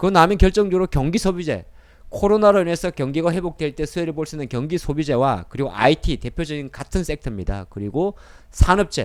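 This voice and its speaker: The speech moves at a very fast pace with lively intonation. The recording is very clean, with a silent background. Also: man, fairly high pitch for a man. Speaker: stock market educator. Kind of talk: market commentary lecture. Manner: clear articulation.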